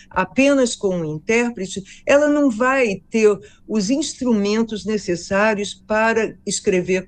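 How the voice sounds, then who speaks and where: A woman's voice: medium pitch, a little mellow. A Brazilian woman researcher answering interview questions about teaching, emphatic and repeating her key points. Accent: Brazilian Portuguese.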